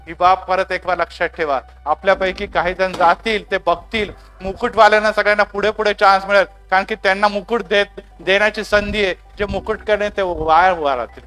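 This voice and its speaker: A man's voice: high voice, bright, forceful tone. A male pastor preaching fervently and leading a closing prayer at a church gathering, punctuating his points with repeated exclamations.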